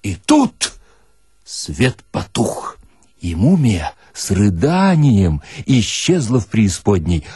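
A man giving a dramatic, expressive literary reading, with theatrical and deliberate phrasing. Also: on the low side, husky, no room sound, clean studio sound. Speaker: actor reading short stories.

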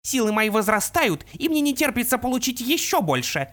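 A man's voice: very high-pitched, big pitch swings, fairly quick, a bit bright, voice pushed up, full character voice. A man voicing a gleeful, mad female pixie villain screeching orders over a radio receiver. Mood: gloating. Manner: screeching, commanding. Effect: heard over a radio receiver. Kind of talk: audiobook character voice.

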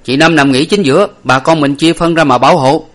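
A man's voice: mid-range voice, lively intonation, a little fast, pitched above the performer's own voice, close to an everyday voice. A man voicing a bold young hero who barks orders in battle. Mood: commanding. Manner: shouting orders, forceful. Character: bold young male hero, commanding swordsman.

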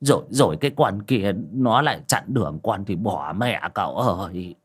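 A man's voice: lowish voice, expressive, moderate pace, breathy edge. A man voicing a clumsy, cowardly old servant who stammers. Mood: frightened. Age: older. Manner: stammering, fearful mumbles and sudden snaps.

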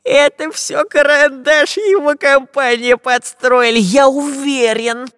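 A nasal whimpering coward spy. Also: male voice, very high-pitched, slow pace, fairly bright tone, dry recording, studio quality, pitched above the performer's own voice, full character voice. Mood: whiny. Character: whiny cowardly long-nosed male spy.

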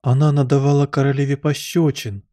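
A man reading a storybook aloud, voicing a timid, anxious white rabbit who speaks in nervous, hushed tones. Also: mid-range voice, flat delivery, a little fast, pitched above the performer's own voice, natural voice.

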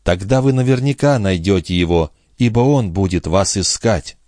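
A man reading a storybook aloud, voicing a sorrowful, selfless young gypsy woman in a soft, earnest tone. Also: sits low, normal speed, no room sound, studio quality, natural voice. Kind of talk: audiobook reading.

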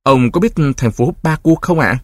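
A man voicing a cheerful, burly male oil driller who talks in a friendly, polite, coaxing way, with a husky voice. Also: mid-range voice, expressive, moderate pace, dry recording, studio quality, close to an everyday voice.

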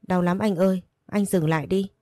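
A frightened young wife pleads timidly, voiced by a woman reading a story. The voice is low and mellow. The recording is dry and close. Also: fairly even intonation, normal speed, no room sound, natural voice. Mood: pleading.

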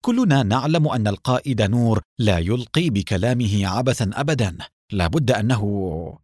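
Man voicing a proud young woman sound expert, storybook reading, lively pitch, dry close sound. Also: moderate pace, no room sound. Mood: troubled.

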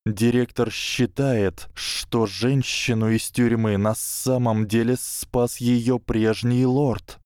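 A man voicing a guarded, clever young boy who speaks in a measured, questioning way in an audiobook. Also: medium pitch, steady tone, darkish tone, clean tone, no echo, clean studio sound, voice pushed up, close to an everyday voice. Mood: wary. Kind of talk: audiobook character voice.

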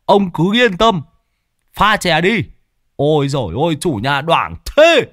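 A man's voice: a little high, big pitch swings, measured pace, a bit bright, no room sound, clean studio sound, pitched above the performer's own voice. A man putting on a brash cocky ghost-hunter sidekick. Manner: cocky, bossy, teasing.

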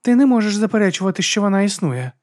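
Wry tough woman, higher-pitched and muttering, as a man voices her. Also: sing-song, racing, darkish tone, no echo, studio quality.

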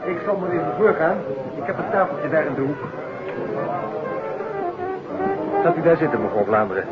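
A man's voice: a little high, very animated, quick pace. An actor playing an affable but evasive man-about-town in a 1950s Dutch radio play, chatty and breezy. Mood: jovial. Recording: muffled old radio recording, music behind.

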